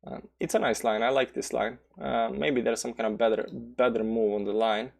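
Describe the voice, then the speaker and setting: Here a man with a Balkan accent does casual live commentary on crypto charts, reading chat aloud and responding in a rambling manner full of fillers and restarts. The voice is mid-range and gravelly, steady in tone, at normal speed.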